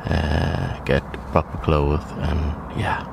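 Very deep, slow, hesitant man. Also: little pitch movement, gravelly, background noise. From Norway. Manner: hesitant, many fillers and restarts, hushed at times. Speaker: wildlife photographer. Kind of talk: casual vlog narration. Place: small blind in a forest, outdoors.

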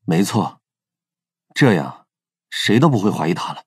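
An actor playing a teasing, confident young police team leader in an audio drama. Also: male voice, deep voice, big pitch swings, a little slow, husky, heavily acted. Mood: brisk, commanding. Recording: faint music under the voice.

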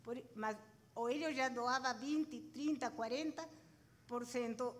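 A woman in her sixties from Chile with a Chilean Spanish accent, speaking deliberately in short phrases as a guest on a panel. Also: fairly high pitch. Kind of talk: personal account in an onstage interview. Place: stage in a conference hall with seated audience. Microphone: handheld microphone. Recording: reverberant hall, background room noise.

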